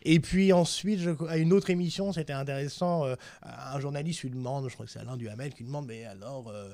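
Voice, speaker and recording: Male panel host, mid pitch, halting delivery, dry close sound. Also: vocal fry, darkish tone, no room sound. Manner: hesitant, many fillers and restarts. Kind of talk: casual panel discussion.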